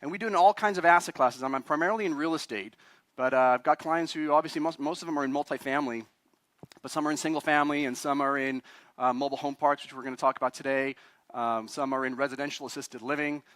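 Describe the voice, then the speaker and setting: Fast, chatty man from Chile. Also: mid-range voice, fairly even intonation, a bit bright, no room sound. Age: 40s. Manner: chatty, quizzes the audience, self-deprecating. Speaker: guest speaker, attorney. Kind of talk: live talk to a meetup audience.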